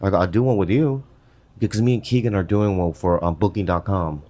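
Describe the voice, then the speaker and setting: A man hosting a podcast, telling a story in casual chat, animated and profane, laughing often. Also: low voice, brisk.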